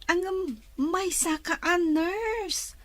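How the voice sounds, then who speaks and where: A curious lady in a radio serial, high voice, slow talker. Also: a bit bright, no echo, exaggerated voice. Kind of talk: Ilocano radio drama acting.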